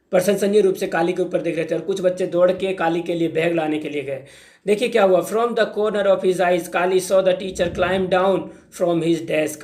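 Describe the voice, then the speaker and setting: Male tutor, high-pitched, slow careful reading then chatty explaining. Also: darkish tone. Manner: reads English text slowly, then explains in Hindi. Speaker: teacher. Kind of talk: explaining an English lesson in Hindi.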